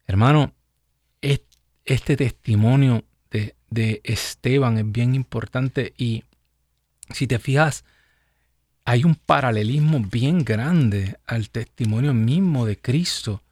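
A man's voice: mid-range voice, slow, a little mellow, no room sound. A man hosting a live Catholic radio program, teaching the Bible in a conversational way with rhetorical questions and many restarts. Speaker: radio program host and preacher.

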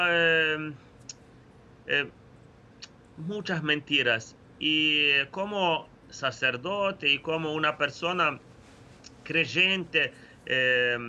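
A Ukrainian parish priest in his forties speaking Spanish as a second language with a Ukrainian accent, answering slowly with many pauses and fillers over a video call. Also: a little high, bright, forceful tone, highs cut off. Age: 40s. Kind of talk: remote interview answers.

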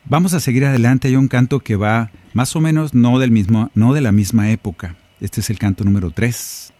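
This man is a Catholic singer-songwriter talking between songs from his own studio, reflective yet joking and conversational. He speaks at a normal speed, with a warm tone and medium pitch.

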